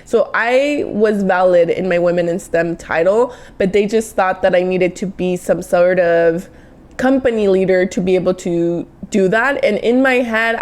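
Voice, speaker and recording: A woman's voice: medium pitch, a little mellow. Earnest young Mexican-accented woman podcaster. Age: 20s. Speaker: podcast host. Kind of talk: motivational solo podcast talk.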